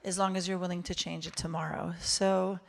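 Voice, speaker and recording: A woman with native Hebrew speaks live to a synagogue congregation as a guest, giving an emphatic, heartfelt inspirational address and repeating phrases for effect. Her fairly low voice has vocal fry and a flat delivery, and she talks a little fast.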